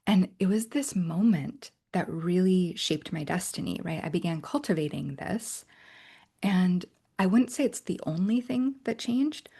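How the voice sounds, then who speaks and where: A middle-aged woman coach leading an online workshop, earnest and personal, often checking in with "right?" and slipping into soft whispery asides. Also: fairly low pitch, lively intonation, unhurried, vocal fry, husky. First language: English.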